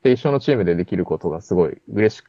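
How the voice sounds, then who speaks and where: A man's voice: sits low, lively intonation, very fast, dark tone, no room sound. A man telling a personal story in casual chat, with many fillers and restarts. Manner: rambling storytelling with frequent fillers. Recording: dull lo-fi sound.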